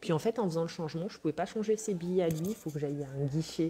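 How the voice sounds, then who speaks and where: Recorded very cleanly against silence, a woman speaks with a dark, mellow tone at a fairly low pitch and ordinary pitch variation. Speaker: spiritual medium and energy healer. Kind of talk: live stream talk. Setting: coworking space, live video stream.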